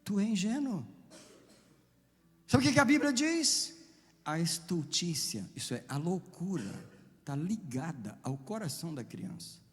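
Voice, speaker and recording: A man preaching a sermon as a pastor, impassioned, with dramatic swings between loud and soft. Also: high voice, very animated, measured pace, pauses often, long reverb tail.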